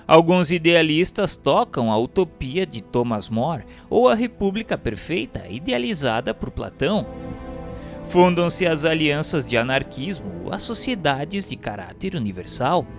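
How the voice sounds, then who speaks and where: A man reading scripted narration in a formal, solemn, measured manner. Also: a little high, big pitch swings. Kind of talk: scripted audiobook-style narration of a spiritual history text. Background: instrumental music.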